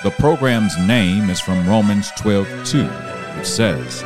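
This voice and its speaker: A man hosting a podcast and teaching a verse-by-verse Bible study. His voice sounds hoarse and scratchy, and he speaks in an earnest, emphatic way, repeating his key points. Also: lowish voice, expressive, slow pace, over music.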